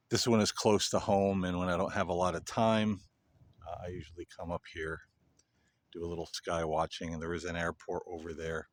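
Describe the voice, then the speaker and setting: A man hosting a paranormal video, talking casually and earnestly to viewers in halting phrases. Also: low-pitched. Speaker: paranormal investigator, video host. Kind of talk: casual explanatory monologue to viewers.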